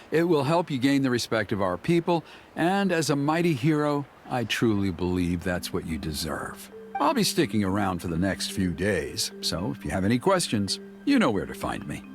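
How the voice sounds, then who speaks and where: An actor voicing a smooth-talking, flattering tribal ceremony organiser in a video game, genial, persuasive and theatrical. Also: male voice, on the low side, normal speed. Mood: persuasive, encouraging. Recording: music behind the voice. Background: game music.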